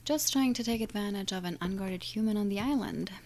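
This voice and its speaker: A woman's voice: mid-range voice, brisk, darkish tone, natural voice. A woman playing an ancient, menacing siren in an audio drama, taunting and condescending with a theatrical drawl. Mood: smug, taunting. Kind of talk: audio drama villain acting.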